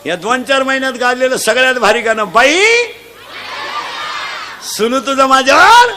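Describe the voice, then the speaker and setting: A man preaching a humorous devotional sermon, loudly quizzing the children in the crowd and mocking bad habits. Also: extremely high pitch, animated, normal speed, background noise. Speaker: kirtan preacher.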